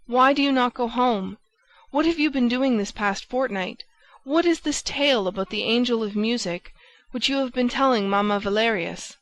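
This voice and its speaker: A woman's voice: medium pitch, fairly bright tone, lightly acted, rough recording. A woman reading the lines of a jealous young man, with impassioned, sarcastic outbursts.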